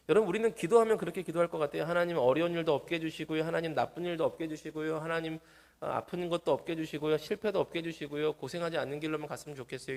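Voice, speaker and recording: A male pastor delivering a sermon in a church, his fairly high voice lively and expressive. He talks straight to the congregation and slips into the voices of the people he quotes, swinging up and down in pitch and loudness. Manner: animated, acts out quoted voices.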